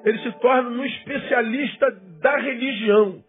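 A fifty-year-old Brazilian pastor with a Rio de Janeiro accent, preaching conversationally to a congregation and repeating words for emphasis. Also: male voice, very high-pitched, steady tone, normal speed. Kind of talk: sermon, conversational teaching to a congregation. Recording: thin phone-like sound, guitar music behind.

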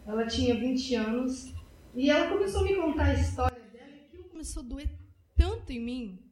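Young woman, high mellow voice, heartfelt church testimony, repetitive telling. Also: animated, fairly quick, rough recording. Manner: emotional, repetitive storytelling. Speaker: church member giving testimony.

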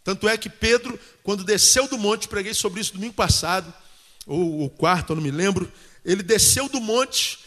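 High-pitched pastor preaching in a hall. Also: male voice, normal speed. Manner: colloquial, animated preaching with repeated questions to the congregation. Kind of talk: sermon. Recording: long hall reverb.

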